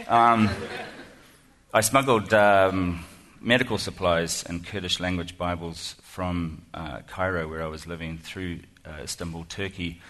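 A low-pitched, fairly bright voice with a New Zealand accent belongs to a man giving a humorous keynote as a guest speaker in a lecture hall. He talks to the audience in a chatty, self-deprecating way, with plenty of ums and restarted sentences.

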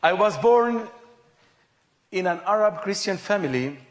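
A man from Israel, giving a personal testimony in slow, measured, plain phrasing. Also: sits high, lively intonation. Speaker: guest speaker.

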